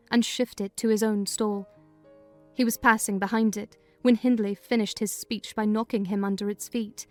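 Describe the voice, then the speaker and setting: A woman giving a dramatized first-person reading of a classic novel in measured, clear storytelling. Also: mid-range voice. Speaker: reader of a novel.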